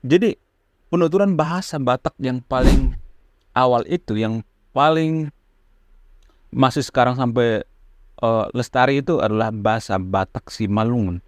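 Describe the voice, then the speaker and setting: A man's voice: medium pitch, moderate pace, pauses often, no echo, clean studio sound. A man giving casual, earnest spoken commentary to his viewers, repeating his points with frequent fillers. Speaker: channel host giving commentary.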